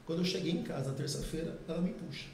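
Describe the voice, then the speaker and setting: A middle-aged man, a podcast guest, telling a personal testimony in a lively way and acting out the dialogue. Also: a little high, rapid-fire, gravelly, a little hiss or hum. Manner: lively, acts out quoted dialogue. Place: podcast studio. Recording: echoey room.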